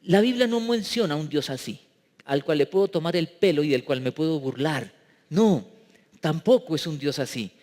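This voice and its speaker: A man's voice: fairly high pitch, lively intonation, moderate pace, darkish tone. A man preaching a sermon as pastor, joking with the congregation and putting rhetorical questions to them. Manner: humorous, mimics people in funny voices. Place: church sanctuary. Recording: long reverb of a church hall.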